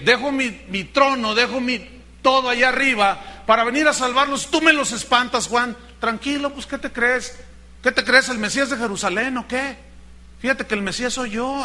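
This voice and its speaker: A man's voice: very high-pitched, pushed and bright, heavily acted. A man voicing a sarcastic, scolding figure who mocks a preacher, within a sermon. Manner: ironic, scolding, teasing. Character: sarcastic man mocking a preacher, mock Messiah.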